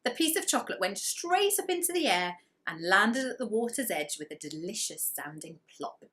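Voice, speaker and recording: A woman reading a children's story aloud with expressive narration and dramatic emphasis on key words. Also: medium pitch, normal speed.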